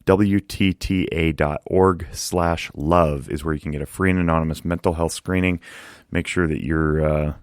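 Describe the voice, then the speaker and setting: A man's voice: rumbling low, fairly even intonation, normal speed, no room sound, studio quality. A man hosting a podcast interview, chatty and rambling, laughing easily as he talks. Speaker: podcast host. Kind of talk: casual interview chat.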